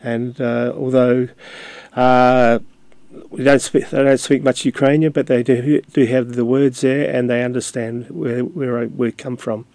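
An older man speaks in a level, unvaried voice, pausing often on fillers and restarting his sentences. The sound is close and dry, with no room around it. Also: medium pitch, level tone, a little mellow, no echo. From Australia. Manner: hesitant, many fillers and restarts. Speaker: community radio guest. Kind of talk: casual interview talk.

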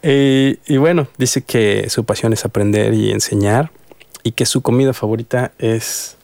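A man's voice: mid-range voice, measured pace, gravelly, darkish tone, no room sound. Chatty male radio host, dry studio sound. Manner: chatty, hesitant, with many restarts and fillers. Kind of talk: casual radio interview. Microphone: studio microphone.

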